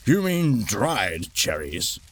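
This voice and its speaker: Storybook king acted by a man: blustering, incredulous, generous, wildly varied pitch. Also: big pitch swings, slow, a bit bright, husky, full character voice. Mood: scornful.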